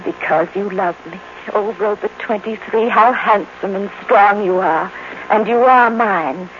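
An actress playing a possessive, unstable housewife with an intense, deliberate, commanding delivery in a 1950s radio drama. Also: female voice, medium pitch, lightly acted. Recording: dull noisy old radio recording.

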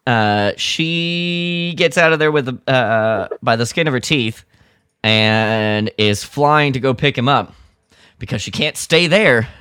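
A man co-hosting a podcast, chatting casually and haltingly as he recaps a story. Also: mid-range voice, pushed and bright, clear, resonant tone, no room sound, clean studio sound. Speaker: podcast co-host. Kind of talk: casual chat recapping a radio drama.

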